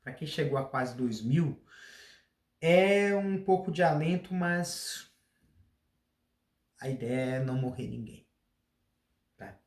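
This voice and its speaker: A man's voice: on the high side, lively intonation, slow, pauses often, darkish tone, echoey room. A Brazilian man hosting a casual solo talk, rambling with restarts, a slight cough. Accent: Brazilian Portuguese. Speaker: podcast host.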